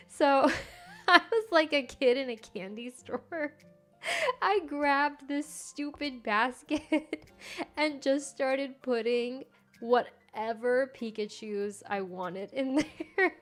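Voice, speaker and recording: A young woman whose first language is Farsi, chatting casually and giggling often as she hosts a stream. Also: a little high. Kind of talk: casual live-stream chat.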